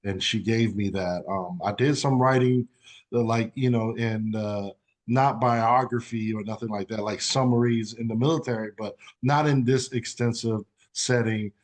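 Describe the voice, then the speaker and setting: A man's voice: on the low side, fairly even intonation, moderate pace. A man in his forties, raised in Okinawa and Savannah, a retired Army veteran and author who speaks plainly with many uhs and "you know". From Okinawa, Japan and Savannah, Georgia. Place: radio studio.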